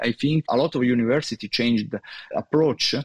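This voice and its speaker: A man with an Italian accent at a moderate pace, ordinary pitch variation and a dry, close sound with no echo. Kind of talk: interview. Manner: halting.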